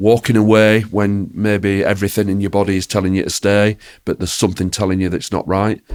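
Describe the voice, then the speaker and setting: A man with a Yorkshire accent and fairly low pitch, in a very clean recording with a silent background. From Yorkshire, northern England. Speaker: business executive. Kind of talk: podcast interview. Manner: blunt.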